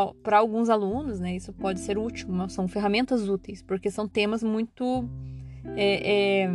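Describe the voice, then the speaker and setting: A Brazilian woman chats on her own podcast in a loose, rambling way, full of fillers and restarts. Her pitch sits in an ordinary middle range. Guitar music plays clearly underneath her voice. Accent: Brazilian Portuguese. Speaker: podcast host and radiology teacher. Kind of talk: casual solo podcast chat.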